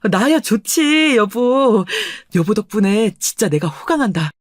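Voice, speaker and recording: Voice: medium pitch, very animated, measured pace, dry recording. Earnest young husband voiced for a radio story, eager n deferential, dry sound. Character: grateful humble husband in his thirties. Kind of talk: dramatized radio story dialogue.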